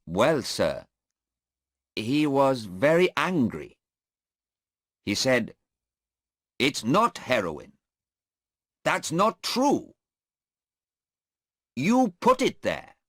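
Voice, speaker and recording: Guy reading as a nervous polite airport policeman, slow and unsure, dry sound. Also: medium pitch, sing-song, no echo, voice pushed up, exaggerated voice. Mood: hesitant.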